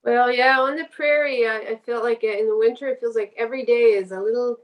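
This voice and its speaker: A woman's voice: a little high, fairly even intonation, brisk. A woman with a Canadian accent speaking casually as a guest writer, hesitant and searching for her words. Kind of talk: casual literary interview.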